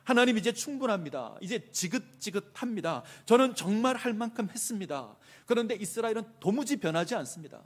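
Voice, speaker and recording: A man's voice: fairly high pitch, lively intonation, brisk, husky. Man acting out an aggrieved, exhausted prophet. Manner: impassioned, complaining rhetorical questions. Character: weary aggrieved male prophet pleading with God.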